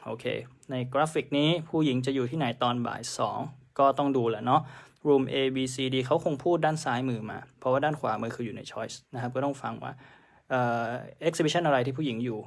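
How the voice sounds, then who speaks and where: A man's voice: mid-range voice, fairly quick, vocal fry. A man teaching a live-streamed exam prep lesson, chatting through answers and mixing English terms into his explanations.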